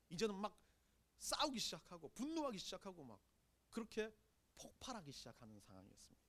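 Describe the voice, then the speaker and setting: A man's voice: sits high, fairly bright tone. A man preaching a sermon as pastor, emphatic, asking rhetorical questions and acting out quotes.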